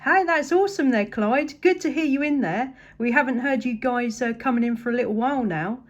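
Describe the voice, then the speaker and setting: A woman's voice: sits high, brisk, highs cut off. An English woman chatting casually as a CB radio operator, upbeat and appreciative in manner. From England. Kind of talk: casual radio contact chat.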